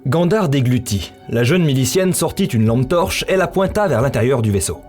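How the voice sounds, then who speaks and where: A man's voice: medium pitch, animated, moderate pace, darkish tone. A man delivering scripted narration for a science-fiction visual novel. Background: music.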